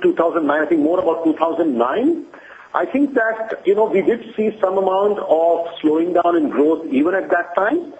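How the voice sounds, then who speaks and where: A man speaking as a company executive on an earnings call, explaining in a measured, reassuring way. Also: high voice, a little mellow. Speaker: company executive answering analysts. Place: conference call. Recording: roomy, dull conference line with hiss.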